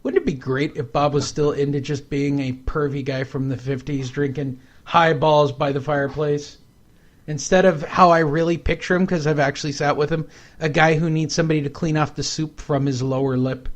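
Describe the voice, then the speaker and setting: A man talks with a slightly higher voice, hosting a casual show in a rambling, wisecracking way. He drifts from topic to topic and throws in jokes along the way. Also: fairly even intonation, normal speed. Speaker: podcast host. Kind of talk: casual chat.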